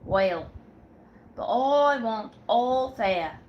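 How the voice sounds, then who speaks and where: A woman voicing a jealous male sailor who talks in blunt, loud nautical slang. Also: fairly high pitch, expressive, very slow, dull audio. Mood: blustering. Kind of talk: read-aloud storytelling.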